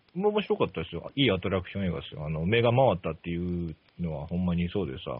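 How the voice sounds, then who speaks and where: Very fast talk from a man, very deep and low in pitch, with ordinary pitch variation. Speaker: podcast host, film talk. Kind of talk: casual chat. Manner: hesitant.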